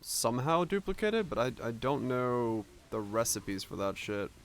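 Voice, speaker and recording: Chatting with his stream viewers at a normal speed, a young man from Finland speaks in a mid-range voice with an American accent, though his first language is Finnish. He rambles loosely, swears casually and restarts often.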